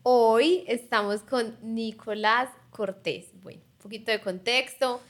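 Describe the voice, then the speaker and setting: A woman's voice: fairly high pitch, fairly even intonation, unhurried. A woman from Colombia speaking with a Colombian accent, co-hosting a podcast in a chatty, conversational way. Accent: Colombian Spanish. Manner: chatty, storytelling introduction. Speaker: podcast co-host. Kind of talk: casual conversational interview.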